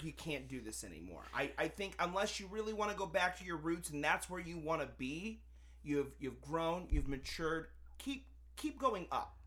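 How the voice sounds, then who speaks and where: A man co-hosting a casual movie review podcast, animated and sarcastic, swearing and acting out scenes. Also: high voice. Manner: animated, sarcastic, swears, acts out quotes loudly. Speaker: podcast co-host.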